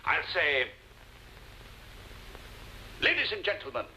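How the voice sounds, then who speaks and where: A pompous, speechifying husband. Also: male voice, high voice, sing-song, takes it slowly, gravelly, bright, forceful tone, slight background noise, heavily acted, poor audio. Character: pompous self-satisfied husband, fond of speeches. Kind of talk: 1950s television drama acting.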